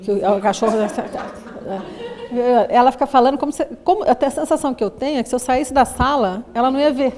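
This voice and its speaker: A Brazilian psychologist addresses an audience in a lively lecture. Her voice sits somewhat high for a woman. She slips into quoted voices to act out scenes and laughs through her asides. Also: rapid-fire, few pauses. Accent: Brazilian Portuguese. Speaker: psychologist giving a talk.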